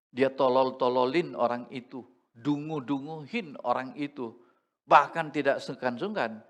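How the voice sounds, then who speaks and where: A man preaching a Sunday sermon as pastor in a church service, talking conversationally with humor and asides to the congregation. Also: medium pitch.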